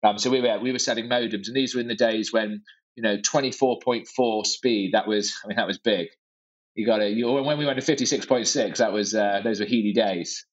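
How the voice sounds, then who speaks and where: A man's voice: on the low side, fairly quick, highs cut off. A man in his forties, born in Hong Kong, answering interview questions with dry, self-deprecating humor and lots of hesitant fillers. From born in Hong Kong, raised abroad. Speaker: guest, startup founder. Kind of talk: conversational interview.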